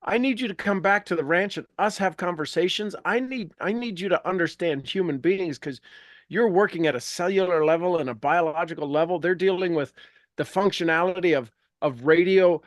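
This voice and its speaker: A man's voice: high voice, a little fast, no echo, clean studio sound. A man hosting an informal motivational group coaching talk, emphatic and fond of repeating phrases for effect. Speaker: host and coach leading a group call.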